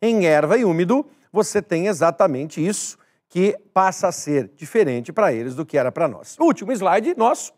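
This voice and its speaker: A man's voice: sits high, sing-song, normal speed, darkish tone. A man teaching a recorded exam-prep grammar lesson, emphatic, repeating key words and speaking straight to the viewer.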